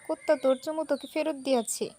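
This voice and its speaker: A hot-tempered young college woman who snaps and scolds, as a woman reads her in her own high voice. Her lines have the feel of a storybook read aloud, and her high voice stays sharp-tongued. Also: steady tone, quick pace, a little hiss or hum, close to an everyday voice. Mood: snappy. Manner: scolding, snappy.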